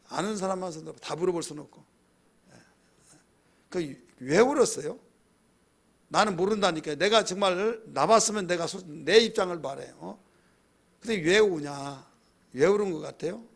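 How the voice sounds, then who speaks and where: A man's voice: a little high, vocal fry. A male pastor preaching a sermon in a conversational way, asking the congregation questions.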